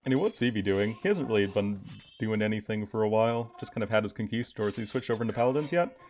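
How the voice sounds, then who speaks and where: A man's voice: on the low side, animated, fast, darkish tone. A young man casually commentating a strategy game on his live stream, chatting with his viewers. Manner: casual, chatty, reacts to chat. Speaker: game caster.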